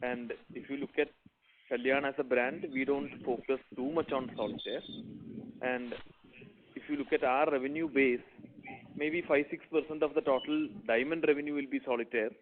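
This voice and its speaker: A man's voice: medium pitch, fairly even intonation, normal speed, background noise. A man with an Indian accent speaking as a company executive, answering investor questions on an earnings conference call. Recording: narrow phone-like conference line.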